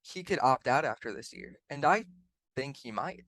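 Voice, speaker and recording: A man's voice: medium pitch, lively intonation, moderate pace, creaky, a bit bright, dry recording, poor audio. A man co-hosting a sports podcast, talking through the numbers in a chatty, analytical way. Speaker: podcast co-host. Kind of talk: casual sports chat.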